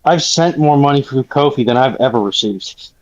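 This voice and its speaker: A man's voice: medium pitch, lively intonation, moderate pace. A man bantering casually as a panelist on a live stream, with a sarcastic, dry sense of humour, on a slightly dull lo-fi microphone.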